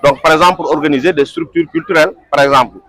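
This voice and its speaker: A man's voice: a little high, very fast, pushed and bright, dry recording, rough recording. A man making firm, demanding statements at a protest. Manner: firm, demanding, leads a chant. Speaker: protester speaking to press.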